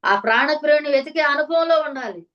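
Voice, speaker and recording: A woman preaching a sermon. She reads scripture and explains it in slow, repeated, rhythmic phrases and puts pointed questions to her listeners. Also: high-pitched, animated, highs cut off.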